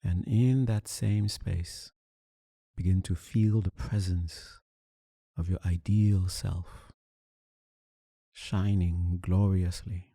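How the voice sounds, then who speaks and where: A man leading a guided meditation, calm and soothing, speaking in deliberate short phrases with long pauses. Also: sits low, slightly rough, no echo, clean studio sound. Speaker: meditation teacher.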